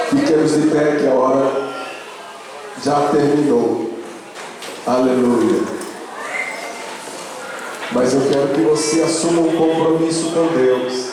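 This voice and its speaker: A man's voice: mid-range voice, a little mellow. A man preaching a sermon as pastor, with a Brazilian Portuguese accent, emphatic and repetitive, calling out hallelujah between points. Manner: slow, emphatic preaching with repeated refrains and calls of hallelujah. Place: church sanctuary. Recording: echoey church hall, long reverb.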